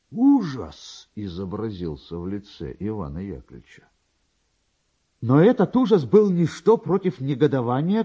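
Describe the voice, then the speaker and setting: A man narrating a literary story in a theatrical, expressive way with drawn-out pauses. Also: mid-range voice, breathy edge, lo-fi sound.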